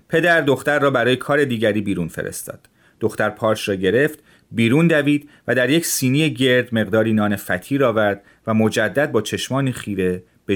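Guy narrating an old story for teens, calm, medium pitch.

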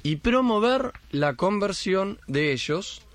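An actor playing a lovestruck, cheeky nineteenth-century copyist in a radio play, speaking theatrically with an Argentine accent. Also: male voice, high-pitched, expressive, slow pace, dry recording. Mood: resigned dictating.

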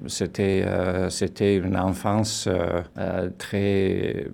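A man from Mozambique, a guest in a radio studio interview, speaking haltingly and searching for words. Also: sits low, little pitch movement, vocal fry, darkish tone. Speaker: guest artist.

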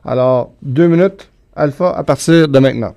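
A man's voice: medium pitch, normal speed, vocal fry, warm tone. A man moderating a debate, hesitant and full of fillers as he hands out turns and keeps time.

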